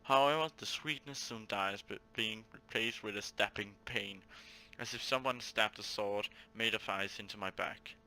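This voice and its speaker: A man's voice: lowish voice, normal speed, pushed and bright, faint music behind, poor audio. A man hosting a gaming video, reading a visual novel aloud with casual commentary, often stumbling and repeating words.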